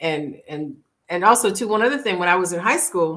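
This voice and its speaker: A normal speaking voice delivers the words with lively intonation. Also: woman. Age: 60s. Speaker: physician and author. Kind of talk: interview. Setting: video call.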